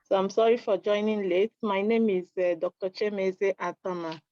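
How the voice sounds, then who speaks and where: Brief: Nigerian woman academic, earnest and measured, dry lo-fi call line. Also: mid-range voice, steady tone, warm tone, no room sound. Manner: earnest, measured, slightly hesitant. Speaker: lecturer and NGO director. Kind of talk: formal self-introduction on a call. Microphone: video call.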